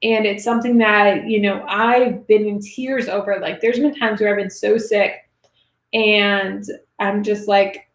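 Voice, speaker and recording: A woman in her thirties chats loosely through a livestream, with plenty of fillers, and her voice is getting raspy. There's a gravelly fry under her mid-pitched talk, and the room gives back a noticeable echo. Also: steady tone, unhurried. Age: 30s. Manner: chatty, reads viewer comments, many fillers. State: voice going raspy. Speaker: livestream host answering money questions. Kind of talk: casual livestream chat. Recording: roomy echo.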